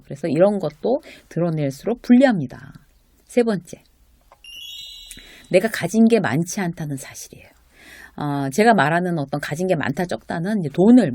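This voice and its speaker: A middle-aged woman leads a relaxed lecture straight to her viewers, asking them questions and acting out little examples. Her pitch rises and falls a great deal as she talks. The recording is dry, with no room sound around her. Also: no room sound. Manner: conversational, with rhetorical questions and acted-out quotes. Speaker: workplace lecturer and host. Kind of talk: casual spoken lecture to viewers.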